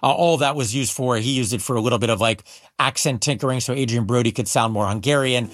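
A man's voice: medium pitch, fast talker, a bit bright. A man, an entertainment reporter, explaining the story in casual chat with emphatic asides.

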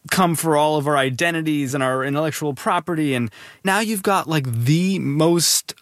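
A man hosting a news explainer podcast, asking animated, incredulous questions. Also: on the high side, normal speed, no room sound, studio quality. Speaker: podcast host.

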